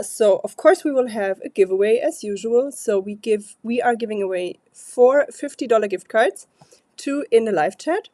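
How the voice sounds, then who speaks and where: A woman with a stuffy, congested voice hosts a live card-making stream in a chatty, loosely paced way, clearing her throat now and then. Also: on the high side, a little mellow, dry recording, clean studio sound. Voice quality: frequent throat clearing and fillers. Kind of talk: casual live-stream chat.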